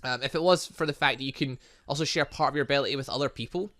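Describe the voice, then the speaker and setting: Speaking very fast in a medium-pitched, slightly bright voice, a gaming YouTuber reads a visual novel aloud for a let's play. He adds commentary and often stumbles, then corrects himself, and there's no echo.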